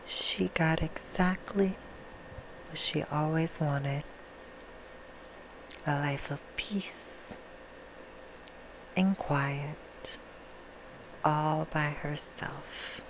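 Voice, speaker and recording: A woman voicing a soothing yet menacing female vampire in an ASMR roleplay, telling a bedtime story in a hushed manner that drifts into whispers. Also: sits low, fairly even intonation, very slow, pauses often, heavily acted. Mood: hushed storytelling. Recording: clear background noise.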